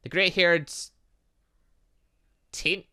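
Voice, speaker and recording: High, smooth and sharp in tone, this man's voice stays steady and draws out words. As a gaming video host working through a story game, he reads dialogue aloud with casual asides, often tripping over words and correcting himself.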